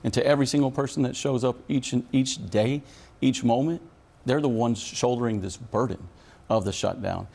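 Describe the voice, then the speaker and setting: This middle-aged American, a union leader for air traffic controllers, fields news interview questions with earnest, emphatic delivery. His mid-range voice is a little mellow with some vocal fry, and his pace is moderate.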